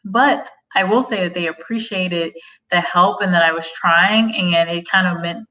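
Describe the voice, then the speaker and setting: A chatty woman hosts a casual livestream and works through viewer comments while drifting onto tangents. Her voice is bright and clear. She sits slightly back from the microphone. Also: fairly low pitch, normal speed, far from the mic, poor audio. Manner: chatty, goes off on tangents, laughs often. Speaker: host of a career-advice livestream.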